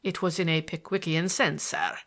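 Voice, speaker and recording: A woman's voice: low-pitched, steady tone, a little slow, vocal fry, bright, forceful tone, voice pushed down, exaggerated voice. A woman voicing a grave, deferential manservant in an audiobook, solemn and formal. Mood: grave, respectful. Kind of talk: audiobook character dialogue.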